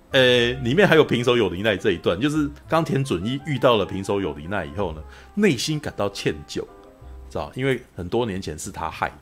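Podcast host, a man: rambly and chatty, lots of laughing, on the low side. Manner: rambling, constant "you know" tag questions, frequent laughter. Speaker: podcast host reviewing a film. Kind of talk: casual chat.

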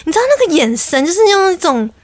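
A young adult woman tells a story on her podcast in an animated, exasperated way. Her voice is high. The recording is dry and close. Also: fast talker, no echo. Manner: animated, exasperated, quotes people. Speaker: podcast host. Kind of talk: casual storytelling.

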